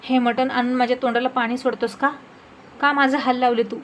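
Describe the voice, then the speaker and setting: A wronged village mother scolds loudly through her tears, as a woman puts her on. She sounds fairly high-pitched and raw in this storybook telling, with a faint hiss behind her. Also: little pitch movement, fairly quick, natural voice. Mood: furious. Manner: loud, tearful scolding. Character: poor rural mother, wronged and furious.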